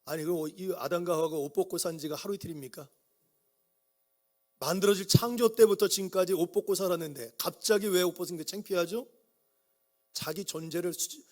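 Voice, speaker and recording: Middle-aged male pastor, high-pitched, chatty sermon delivery, often asks the pews questions. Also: animated, a little fast, a little mellow. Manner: conversational preaching with questions to the congregation. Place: church sanctuary.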